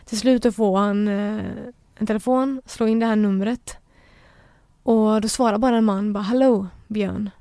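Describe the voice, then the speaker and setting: A woman's voice: mid-range voice, no room sound, studio quality. A woman guest telling a personal story in casual chat, acting out the people she quotes. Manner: lively retelling, acts out quoted voices. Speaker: podcast guest.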